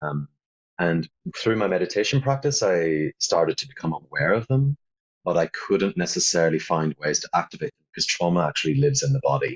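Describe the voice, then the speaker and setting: With a Northern Irish accent, a man talks at a moderate pace in a very deep, low pitch, his pitch swinging very widely. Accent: Northern Irish (Belfast). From Northern Ireland, Belfast. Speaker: wellness entrepreneur and meditation teacher. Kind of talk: podcast interview.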